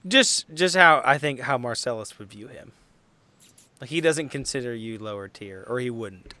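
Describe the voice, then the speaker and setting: A man's voice: medium pitch, lively intonation, moderate pace, bright, forceful tone, no room sound. A man chatting casually and jokingly as a player on a tabletop game podcast. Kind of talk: casual group banter.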